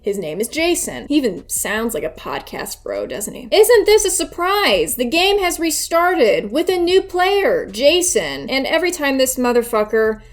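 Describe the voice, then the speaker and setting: A woman's voice: high-pitched, big pitch swings, moderate pace, hardly any pauses. A woman giving casual, irreverent commentary as a video host, sarcastic and foul-mouthed.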